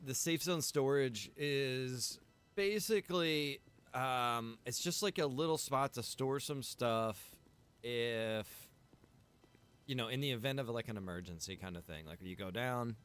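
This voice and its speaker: A man's voice: on the low side, fairly bright tone, slight background noise. A man giving casual, rambling live commentary as he plays a game, muttering to himself. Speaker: game streamer.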